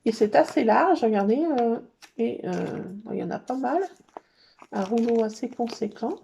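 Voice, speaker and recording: A middle-aged woman chatting casually as she shows her scrapbooking work and supplies, rambling and pausing often. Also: a little high, creaky, dark tone, a little hiss or hum. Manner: chatty, rambling, full of hesitations. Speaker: scrapbooking vlogger. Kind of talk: casual show-and-tell chat.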